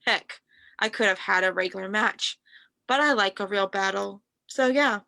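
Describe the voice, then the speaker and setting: A woman playing an arrogant, scornful wrestling prince in a staged promo reading, taunting haughtily and haltingly. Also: mid-range voice, gravelly, pushed and bright, dry recording. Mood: scornful, boastful.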